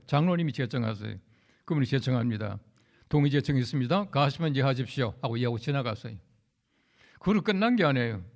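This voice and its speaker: A man preaching a conversational sermon as a pastor, telling anecdotes and speaking directly to the congregation. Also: a little high. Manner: recounts anecdotes with acted quotes. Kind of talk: storytelling sermon.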